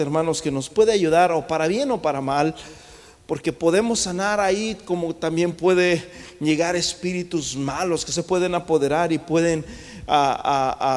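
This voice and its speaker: A man preaching a sermon, fervently and often calling out to his congregation as brothers. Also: a little high. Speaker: pastor. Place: church sanctuary. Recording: long church hall reverb.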